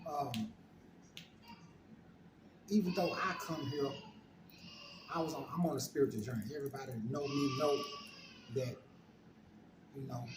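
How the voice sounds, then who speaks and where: An African American man hosting a relaxed, informal chat, clearing his throat often, recorded on a phone at home. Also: medium pitch, roomy sound, background noise. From United States. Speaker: host. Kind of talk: casual conversation.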